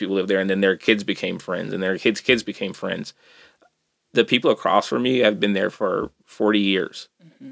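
A man speaks with an American accent in an ordinary speaking voice, fairly low in pitch. His intonation is fairly even, and the sound is dry and close with no echo. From Kansas City, Missouri. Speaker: tenant union organizer. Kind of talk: casual chat.

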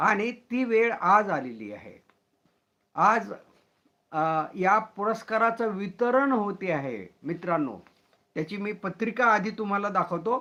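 A man's high, raised, projected voice with a bright, sharp tone against a quiet background. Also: ordinary pitch variation. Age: 70s. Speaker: rural novelist and writer. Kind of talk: video announcement to viewers. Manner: halting.

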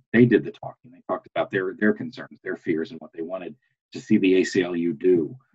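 A man speaks at a very fast pace. His voice is very deep and low, over a quiet background. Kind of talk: interview answer. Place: home room. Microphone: webcam.

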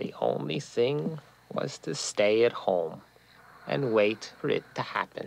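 Slow and lively in intonation, a man talks at a medium pitch. His tone is slightly mellow, with vocal fry.

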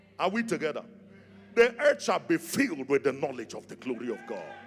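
A man talks at a moderate speed while music plays faintly behind him. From Nigeria. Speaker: pastor. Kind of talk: sermon. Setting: church. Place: church. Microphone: handheld.

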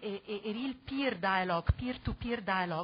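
A woman speaks with an Arabic accent at a moderate pace. Her pitch variation is ordinary. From Egypt. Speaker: civil servant. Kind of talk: panel discussion. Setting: conference room with audience.

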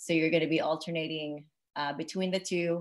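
A woman speaks at a moderate pace and fairly low pitch in an ordinary speaking voice, with a quiet background. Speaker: fitness instructor. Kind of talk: class instruction. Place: garage. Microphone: video call.

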